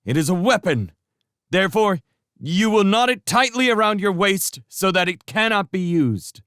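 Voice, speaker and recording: A man doing a young mouse warrior shouting orders. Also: very animated, normal speed, clean tone, dry recording, studio quality. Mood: commanding. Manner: shouted high ringing challenges. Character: young male mouse warrior, bold and commanding.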